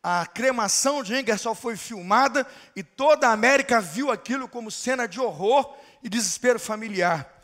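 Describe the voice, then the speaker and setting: A man preaching a sermon in a large church, telling a story dramatically and rising to shouted climaxes. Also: very high-pitched, expressive, moderate pace, few pauses. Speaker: pastor. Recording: long hall reverb of a church.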